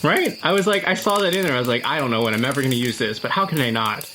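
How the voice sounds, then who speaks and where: A man chats casually at a tabletop game, explaining in halting starts and quick bursts. His pitch is average for a man, with faint noise and night insects behind him. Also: bright, forceful tone. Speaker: tabletop role-playing player.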